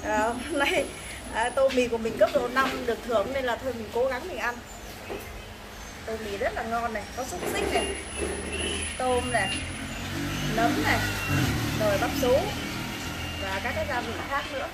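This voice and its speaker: A woman with a fairly high voice chats casually to viewers while eating. She is recorded across the table in a small, noisy open-air eatery. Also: normal speed, long pauses. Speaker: food vlog co-host. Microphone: camera across the table. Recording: noisy eatery ambience, traffic.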